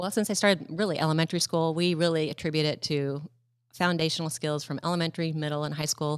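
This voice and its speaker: Racing at a very fast pace, a woman with an American accent speaks at a very deep, low pitch with fairly even intonation on a very clean recording with a silent background. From Colorado. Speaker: school administrator. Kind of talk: casual interview chat.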